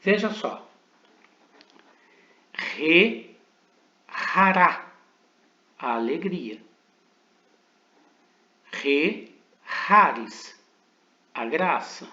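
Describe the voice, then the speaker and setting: Slow Brazilian man drilling Greek sounds. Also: on the high side, expressive, sharp tone. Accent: Brazilian Portuguese. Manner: slow, deliberate pronunciation drills with repetitions. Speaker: Greek teacher. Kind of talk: recorded language lesson. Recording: roomy, dull lo-fi recording.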